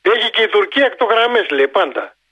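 A man's voice: high-pitched, expressive, breathy edge. An older man calling in to a radio show, questioning and suspicious, repeating his points. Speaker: caller. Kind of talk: call-in radio talk. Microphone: telephone line. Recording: dull phone-line call.

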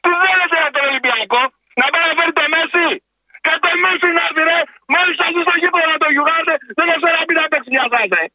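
A man's voice: very high voice, sharp tone, poor audio. A man calling a sports radio show, ranting in a heated, confrontational way about football. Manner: agitated, rapid-fire, confrontational. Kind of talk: heated phone-in rant on football.

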